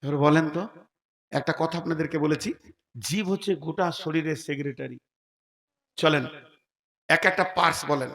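Preacher guy, high voice, jokey stories then loud drawn out chanting. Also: normal speed, pauses often. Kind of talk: Bengali waz sermon. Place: religious gathering.

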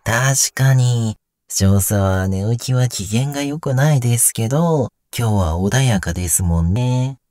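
A man's voice: mid-range voice, animated, darkish tone, no room sound, studio quality, close to an everyday voice. A man playing a cheerful, devoted young AI companion in an audio drama, speaking politely with a teasing streak. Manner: polite, teasing, drawn-out calls. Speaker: voice actor. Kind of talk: Japanese audio drama acting.

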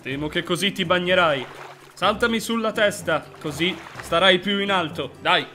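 A man's voice: sits high, moderate pace, bright, forceful tone, soft background music. A man voicing a sly, cunning fox with a coaxing, falsely helpful manner in a children's cartoon.

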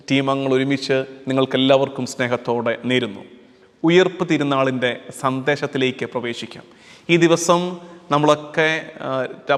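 A man's voice: medium pitch, a bit bright, long reverb tail. A man, a priest, gives an Easter sermon in a preacherly way, repeating key phrases for emphasis.

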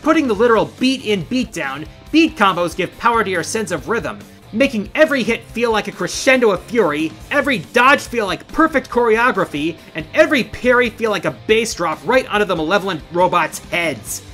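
A man's voice: high-pitched, lively intonation, fairly quick, hardly any pauses, sharp tone. A middle-aged man hosting a gaming countdown, reading scripted narration in an emphatic, playful showman's manner. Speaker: host of a video game countdown show. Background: music behind the voice.

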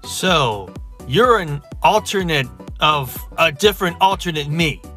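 A man's voice: on the high side, expressive, unhurried, bright, forceful tone, soft background music. Man voicing cynical, blunt anime warrior. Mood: intrigued. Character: cynical, world-weary male anime warrior giving blunt advice. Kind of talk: amateur comic dub voice acting.

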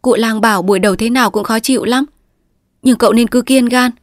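A woman voicing a worried young wife coaxing her sick husband, in a soft calling manner. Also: fairly high pitch, fairly quick, no room sound, clean studio sound, voice pushed up, close to an everyday voice. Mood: gentle coaxing. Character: anxious, patient young wife.

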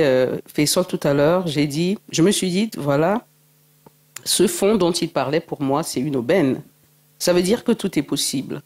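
A woman's voice: low voice, darkish tone. A woman, speaking earnestly and reflectively as a panelist into a handheld mic. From Cameroon. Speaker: panelist, filmmaker. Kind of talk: panel discussion. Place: indoor stage at a public panel.

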